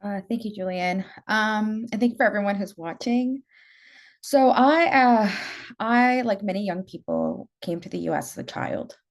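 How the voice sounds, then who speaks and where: A woman's voice: medium pitch, big pitch swings, normal speed. A young adult woman from El Salvador, a community organizer on a panel, speaking thoughtfully with frequent hesitations. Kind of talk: panel discussion.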